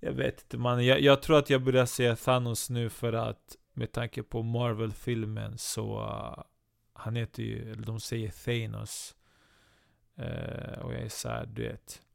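A man speaks in a comedy podcast chat, mumbling and trailing off at the ends of his lines. His voice is gravelly yet clear. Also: mid-range voice, dry recording, clean studio sound.

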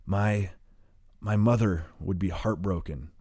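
A man's voice: low-pitched, takes it slowly, dark tone, no room sound, studio quality, full character voice. A man voicing a wounded, frightened teenage boy who pleads for his life. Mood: pleading. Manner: pleading, begging.

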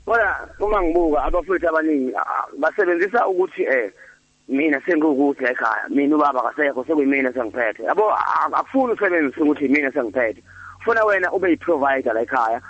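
A man's voice: a little high, expressive, racing, slightly rough, no echo. A man with a Zulu South African accent giving his opinion as a caller to a radio phone-in, over a dull lo-fi line. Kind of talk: earnest opinion-giving on air.

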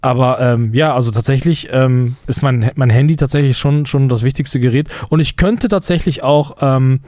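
A man's voice: medium pitch, moderate pace, warm tone, dry recording. A man co-hosting a casual podcast, rambling and emphatic, full of fillers and restarts, close to the mic. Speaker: podcast co-host.

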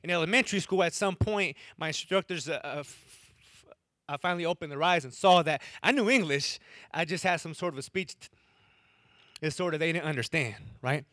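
A man's voice: a little high, fairly quick, fairly bright tone, no room sound, clean studio sound. A young man from Wisconsin telling a personal story to an audience, with a stutter that repeats words and cuts off syllables.

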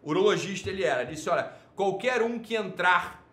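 A man with a Brazilian Portuguese accent, hosting a livestream and ranting sarcastically at his viewers. He swings between low muttering and loud shouting. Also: animated, normal speed, echoey room. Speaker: livestream host.

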